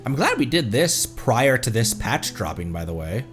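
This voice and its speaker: A male game streamer chats casually as he plays. His voice sits at a middle pitch and moves around a lot, with faint music behind it. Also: big pitch swings, moderate pace. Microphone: streaming microphone.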